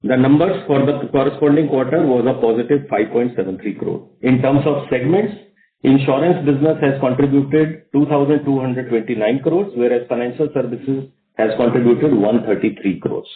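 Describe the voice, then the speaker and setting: Echoey Indian finance executive on a call. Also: male voice, medium pitch, moderate pace. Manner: formal, methodical. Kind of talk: scripted investor presentation. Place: conference call. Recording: roomy, narrow phone conference line.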